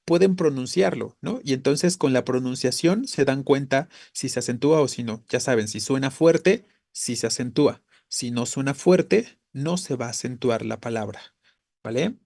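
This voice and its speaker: A man's voice: medium pitch, moderate pace, gravelly, a little mellow, no room sound, studio quality. A man teaching a language class, explaining patiently, often checking in with "¿no?" and correcting himself as he goes. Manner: explains patiently, tags phrases with "¿no?" and "¿vale?"; self-corrects mid-sentence. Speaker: Spanish teacher. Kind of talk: online class lecture.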